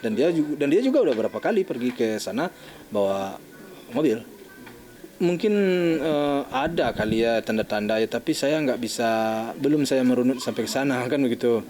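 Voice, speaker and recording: Older man, interviewee, halting, shaken, restarts often, middle pitch. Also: expressive, a little mellow. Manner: halting, restarting, acting out phone calls. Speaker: interviewee, bereaved father. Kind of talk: recounting events in an interview.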